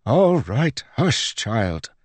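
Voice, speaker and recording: A man's voice: mid-range voice, sing-song, extremely slow, husky, no room sound, pitched above the performer's own voice, exaggerated voice. A man voicing a crotchety old priest in an audiobook, weary, patronising and exasperated.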